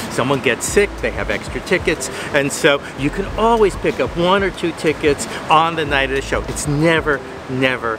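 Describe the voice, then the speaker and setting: A man talks at a moderate pace with ordinary pitch variation. The sound is dry with no echo, though noticeable background noise is present. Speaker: local resident tour guide. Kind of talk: casual tour explanation. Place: street. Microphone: phone near.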